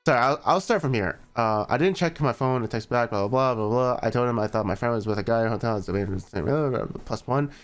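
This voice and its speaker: A man's voice: medium pitch, fast talker, few pauses, soft background music. A man streaming a reaction, reading a written statement aloud and skipping parts with "blah, blah". He breaks off now and then for sarcastic remarks. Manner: sarcastic asides between passages.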